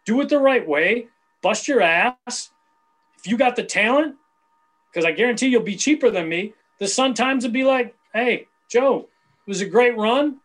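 A man in his fifties talks sports in a blunt, combative, boastful way, as a guest on a talk show. His voice sits high for a man. He sounds heated and sure of himself throughout. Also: fairly bright tone. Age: 50s. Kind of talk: heated casual sports chat.

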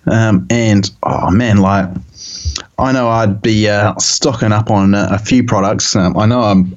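A man with a New Zealand accent co-hosting a podcast, chatting in a laid-back, rambling way. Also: lowish voice. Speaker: podcast co-host. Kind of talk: casual chat. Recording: dull lo-fi sound.

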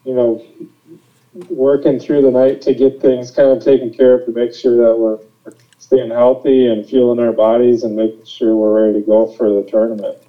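A man's voice: medium pitch, little pitch movement, normal speed. Easygoing young man on a dull line. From Minnesota. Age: young adult. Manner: easygoing, agreeable, filler-heavy. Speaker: professional angler guest. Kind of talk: casual interview answers. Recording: dull lo-fi sound.

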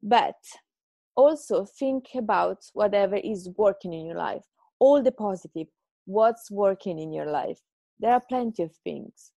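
Brief: Italian woman podcaster, gravelly low-toned voice, chatty and encouraging, dry close sound. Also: dark tone, no echo. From Italy. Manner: chatty, self-mocking, encouraging. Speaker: podcast host. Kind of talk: casual advice monologue. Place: home.

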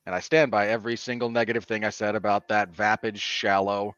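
A man hosting a film podcast, giving casual commentary in a wordy, deliberate, mock-formal manner. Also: fairly low pitch, flat delivery, fairly bright tone, clear, resonant tone, no echo, highs cut off. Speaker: podcast host and film reviewer.

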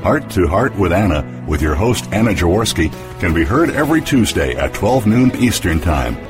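A man reading a scripted show outro in a smooth announcer manner. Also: low-pitched, very animated, moderate pace. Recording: loud music bed.

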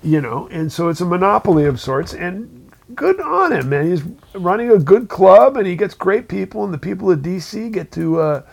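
A man's voice: high-pitched, animated, normal speed, creaky. A man co-hosting a casual talk show, rambling with many "you know"s and restarts. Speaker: podcast co-host, working musician. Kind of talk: casual chat.

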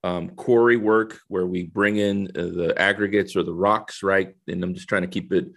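A man's voice: sits low, steady tone, moderate pace, creaky, a bit bright. A middle-aged man from El Salvador, a guest in a conversational interview, explaining things earnestly and step by step. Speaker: guest, corporate diversity executive.

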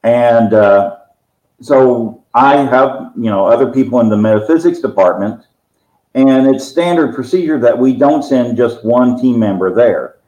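A man who heads a paranormal investigation team, explaining a case calmly and steadily at a medium pitch. His voice comes through an echoey room, giving it a roomy ring. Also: unhurried, muffled recording. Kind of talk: casual podcast conversation.

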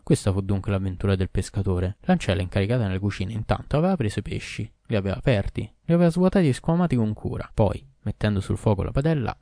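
A man narrating a fairy tale in a steady, measured reading. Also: fairly low pitch, no room sound, studio quality. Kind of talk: audiobook story narration.

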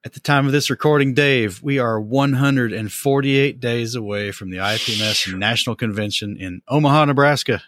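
A man's voice: mid-range voice, normal speed, few pauses, a bit bright, no room sound. Chatty male podcast host, dry sound. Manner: upbeat, chatty, with frequent fillers. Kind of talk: casual podcast chat.

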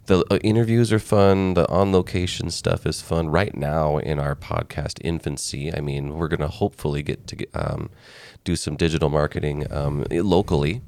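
Male podcast co-host, very deep and gravelly, laid-back and meandering, close dry sound. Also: fairly even intonation, normal speed, hardly any pauses, a little mellow, no room sound. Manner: rambling, easygoing, with frequent fillers. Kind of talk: casual podcast chat.

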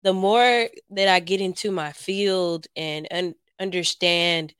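A young adult woman co-hosting a casual podcast, her voice still a little hoarse while it comes back, relaxed and quick to laugh. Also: on the low side, dry recording, clean studio sound. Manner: relaxed, laughs easily, acts out quoted talk. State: recovering from lost voice, slightly hoarse. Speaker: podcast co-host. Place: Los Angeles.

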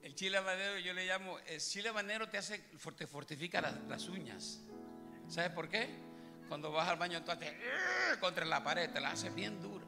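A man's voice: high voice, moderate pace. A man preaching a comic sermon as pastor, joking and teasing his congregation. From Puerto Rico. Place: large church hall. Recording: live church hall with music. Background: music playing.

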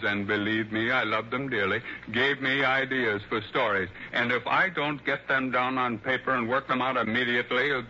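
A man's voice: medium pitch, bright, forceful tone, slight background noise. An actor playing a wealthy male mystery author in his late fifties, gushing and hesitant with fillers, in a 1960s radio drama. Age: 50s. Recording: dull lo-fi old radio broadcast.

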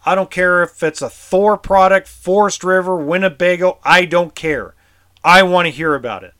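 An RV service technician rants in a vlog, tense and heated, swearing and stammering over repeated words in frustration. His voice sits high, with a moderate pace and a fairly bright tone.

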